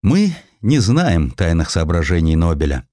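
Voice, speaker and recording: A man reading a historical essay as a dramatic audiobook narrator, with expressive, theatrical emphasis. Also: sits low, unhurried, dry recording, clean studio sound.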